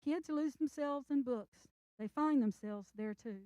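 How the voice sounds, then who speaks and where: At a library event, an older woman author of children's books gives an earnest, encouraging talk, her high, mellow voice slow and emphatic. The recording is dry.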